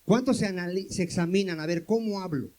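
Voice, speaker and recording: High-voiced preaching man. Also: brisk, darkish tone, rough recording. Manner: questions the congregation and answers himself; calls for amens from the congregation. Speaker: pastor. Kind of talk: sermon.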